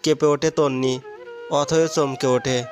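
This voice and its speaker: A man with a Bangladeshi Bengali accent calmly narrating a scripted romantic story, with music behind. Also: a little high, a little slow. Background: background music.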